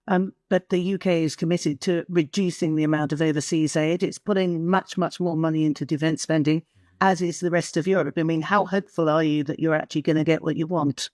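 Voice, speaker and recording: A woman hosting a news interview, asking probing questions with soft hesitations. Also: deep voice, fairly even intonation, a little fast, dry recording, clean studio sound. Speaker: interviewer, host.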